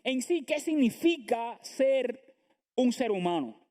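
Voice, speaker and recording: A man's voice: very high voice, expressive, takes it slowly, darkish tone. A man preaching a sermon to a congregation as pastor, earnest and full of rhetorical questions. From Latin America. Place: church sanctuary.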